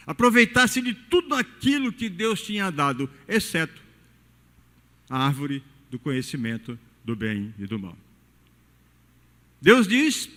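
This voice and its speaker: High-voiced preacher in a reverberant cathedral. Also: male voice, a bit bright. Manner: preaching, sweeping pitch swings, rhetorical questions. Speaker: pastor. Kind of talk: sermon. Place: cathedral during evening service. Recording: long reverb of a large church hall.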